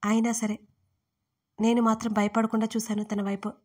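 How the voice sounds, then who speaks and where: A woman storyteller reading a first-person audio story in a steady, earnest way. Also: fairly high pitch, normal speed, husky. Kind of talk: scripted first-person narration.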